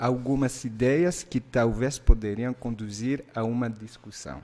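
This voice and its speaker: A man talks at a fairly slow pace. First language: not Portuguese (speaking Portuguese). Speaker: doctoral researcher. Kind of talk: academic presentation. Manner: halting, many fillers and self-corrections.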